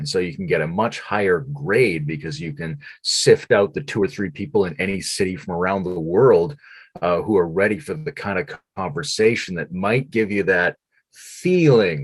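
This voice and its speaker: With a Canadian accent, a man speaks at a moderate pace and a fairly low pitch over a quiet background. He has an unremarkable speaking voice, and his intonation is lively. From British Columbia, Canada. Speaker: podcast host and former meditation teacher. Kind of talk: casual chat.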